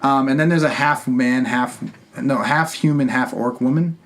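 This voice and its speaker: A man's voice: medium pitch, moderate pace, a little hiss or hum. A young man talking casually as a podcast host, chatting with friends about movies.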